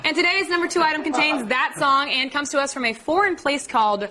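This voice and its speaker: A woman's voice: high-pitched, a little fast, heavy background noise. A woman co-hosting a TV show, reading segment intros and teasing her partner. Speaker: TV show co-host. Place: TV studio.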